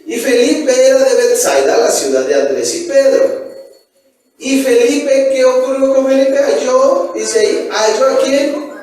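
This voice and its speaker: A male pastor with a Mexican Spanish accent preaching a lively sermon, asking his congregation questions and acting out the voices he quotes. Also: extremely high pitch, measured pace. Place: church hall. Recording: echoey church room, mic at a distance.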